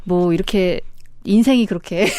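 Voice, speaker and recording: A woman on a studio podcast panel who calmly explains people's habits and gives advice. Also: mid-range voice, measured pace, dry recording. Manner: calm, explaining, advice-giving. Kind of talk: casual panel podcast chat.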